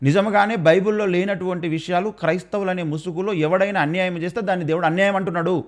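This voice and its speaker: A man speaking with a Telangana Telugu accent, his voice sitting a touch higher than most men's. He rebukes like a preacher, piling up rhetorical questions and repeating his warnings again and again. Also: fairly even intonation, fast talker. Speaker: Christian commentator. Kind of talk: preachy rebuttal.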